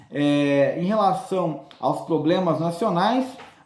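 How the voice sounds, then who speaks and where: Heard through audible room echo and noticeable background noise, a man speaks at a high pitch with ordinary pitch variation. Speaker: teacher. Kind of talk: lecture. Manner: fast.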